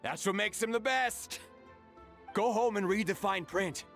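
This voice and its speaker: A man's voice: high voice, a little slow, vocal fry, fairly bright tone, soft background music, heavily acted. An actor playing a smug, scheming henchman in a video game, taunting and theatrical. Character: smug, scheming villainous henchman, cunning and mocking.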